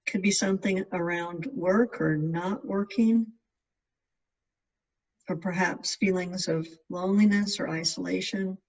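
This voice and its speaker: A meditation guide with a mid-pitched voice leads a practice in gentle, measured phrases with space between them. The recording is muffled and sounds as if the mic is some way off. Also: steady tone. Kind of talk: guided meditation, scripted instruction. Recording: distant mic, dull lo-fi sound.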